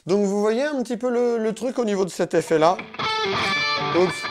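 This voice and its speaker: A man's voice: sits high, normal speed. Friendly man teaching guitar live. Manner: friendly, thanks viewers by name, explains while playing. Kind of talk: live-streamed guitar lesson. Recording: faint guitar music behind. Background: electric guitar playing.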